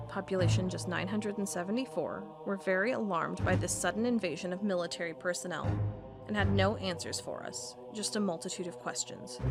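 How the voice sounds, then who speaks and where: A woman's voice: medium pitch, vocal fry, lightly acted. A woman playing a determined federal agent. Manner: earnest, intent, reads formally. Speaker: investigating agent. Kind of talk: audio drama monologue reading a report. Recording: music bed under voice.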